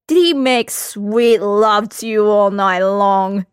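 A woman voicing a rowdy, drunk young male witcher who taunts his friends loudly and crudely. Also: medium pitch, slow pace, no room sound, clean studio sound. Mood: drunk jeering. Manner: loud, slurred, crude taunting.

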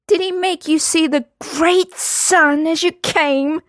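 A woman voicing a rowdy, drunk young male witcher who taunts his friends loudly and crudely. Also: medium pitch, slow pace, no echo, studio quality. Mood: drunk jeering. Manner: loud, slurred, crude taunting.

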